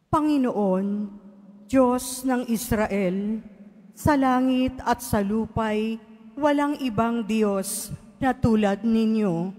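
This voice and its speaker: A woman reading scripture aloud as lector at a church service, in a measured, solemn way. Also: a little high, a little mellow. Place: large church. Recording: long church reverb.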